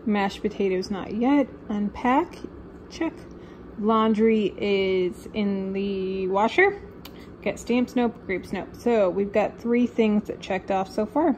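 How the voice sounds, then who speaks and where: A woman's voice: mid-range voice, takes it slowly, darkish tone. A young woman chatting casually through her meal prep vlog in her home kitchen, filmed on a phone. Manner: chatty, talks baby-talk to her cats. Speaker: vlogger. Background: faint household appliance hum.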